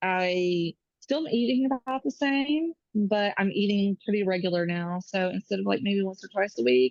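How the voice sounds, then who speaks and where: The voice moves at a moderate pace with hardly any pauses, very wide pitch swings and very even loudness, in a dry, close sound with no echo. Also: woman, medium pitch for a woman. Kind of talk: casual chat. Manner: clearer speech than before.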